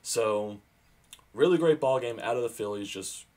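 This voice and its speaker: A young man recapping a game as an excited fan at home, with bursts of loud enthusiasm and a sore, fading voice. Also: mid-range voice, moderate pace. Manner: animated, rising to loud bursts on big plays. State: losing his voice, sore throat. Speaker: sports vlogger. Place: small room at home.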